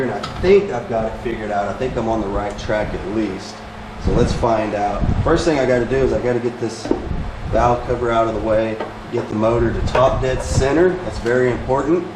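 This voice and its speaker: American man talking over clear fan noise. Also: mid-range voice. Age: middle-aged. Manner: folksy, conversational explaining. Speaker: DIY mechanic vlogger. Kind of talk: casual hands-on repair vlog narration. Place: hot space around a truck, fan running. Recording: loud fan noise behind voice.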